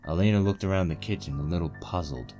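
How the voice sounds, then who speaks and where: A man's voice: sits low, quick pace, warm tone, soft background music. A man reading a scripted story as its narrator. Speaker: narrator of a fan fiction reading.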